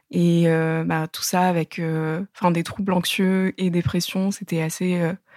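On a very clean recording with a silent background and a dry, close sound with no echo, a woman speaks very slowly with fairly even intonation at a fairly low pitch. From Morocco, Marrakech. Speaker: student, mental health testimony. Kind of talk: testimony. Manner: hesitant, many fillers.

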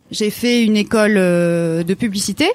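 In a plain, everyday voice of medium pitch, a woman speaks at a fairly slow pace with lively intonation, the sound dry and close with no echo. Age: 30s. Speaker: illustrator. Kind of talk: live panel discussion. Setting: stage with audience.

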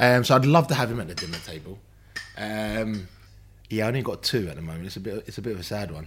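Lively intonation and big swings in loudness mark this very fast delivery in a London accent. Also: man, fairly low pitch for a man. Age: 30s. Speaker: chef. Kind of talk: casual chat.

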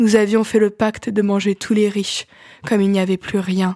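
Her dark, mellow tone comes with monotone, flat intonation in a very clean recording with a silent background. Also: dry, close sound with no echo. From Russia. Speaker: poet. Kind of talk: interview; reading aloud.

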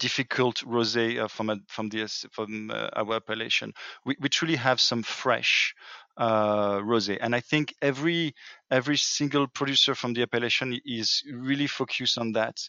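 A man talks in a French accent at a medium pitch. His intonation is fairly even. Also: moderate pace. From southern France. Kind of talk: interview. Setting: video call.

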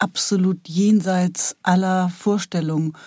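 A somewhat breathy woman's voice of medium pitch, dark and mellow in tone, with flat, monotone intonation, on a very clean recording with a silent background. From northern Germany, North Frisia near Husum. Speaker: novelist. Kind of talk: interview conversation.

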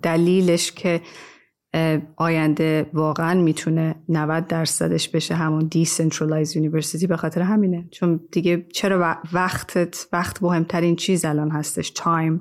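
Speaking at a moderate pace, a woman keeps a monotone, flat intonation at a fairly low pitch with very even loudness. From Iran, raised in Norway from age nine. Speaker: entrepreneur. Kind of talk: casual chat.

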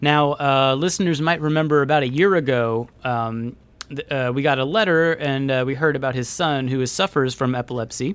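An unremarkable speaking voice from a man with an American accent, fairly high in pitch, at a fairly quick pace. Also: ordinary pitch variation. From California, Union City. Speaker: cannabis podcast co-host. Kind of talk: casual chat. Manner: joking.

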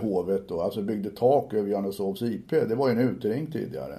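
This man talks at a moderate pace with ordinary pitch variation and a dark, mellow tone. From Stockholm, Sweden. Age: 50s. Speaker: ice hockey executive. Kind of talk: interview. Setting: office.

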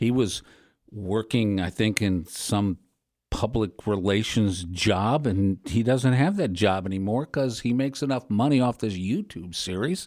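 A man with an American accent talks at a moderate pace and a fairly low pitch, with ordinary pitch variation and a plain, everyday voice. The recording is very clean, with a silent background. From Ohio (Cincinnati). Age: 60s. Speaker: radio station general manager. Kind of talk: casual interview. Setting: radio studio.

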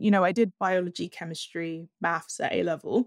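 Speaking in a London accent, a woman keeps a moderate pace, a medium pitch and fairly even intonation. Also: dry, close sound with no echo, very clean recording, silent background. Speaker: entrepreneur, company CEO. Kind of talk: casual interview.

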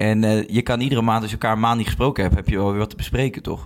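This is a man talking at a medium pitch. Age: 30s. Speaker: podcast host. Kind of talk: casual interview chat. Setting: remote recording. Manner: hesitant, many filler sounds.

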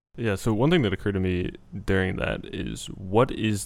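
Fairly low in pitch, a man speaks at a fairly quick pace with vocal fry. The recording is very clean, with a silent background. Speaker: podcast host and college student. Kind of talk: casual interview conversation. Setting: indoor room.

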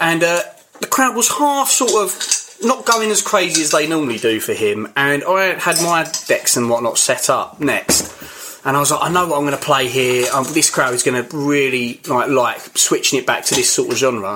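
A man with an English accent talks at a moderate pace in a fairly high pitch, his pitch swinging very widely. Noticeable background noise is present. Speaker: podcast guest. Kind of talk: casual chat. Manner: loud.

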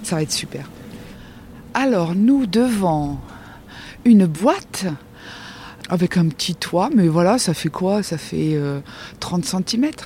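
With noticeable background noise behind her, a woman speaks at a very slow pace with long, frequent pauses. Her medium-pitched voice has lively intonation. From Germany. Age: 50s. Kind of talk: casual chat. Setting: outdoors.

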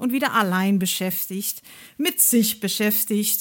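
Speaking at a moderate pace with a Dutch accent, a woman sounds somewhat breathy, her intonation fairly even. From Netherlands. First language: Dutch (speaking German). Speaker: musician. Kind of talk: casual chat.

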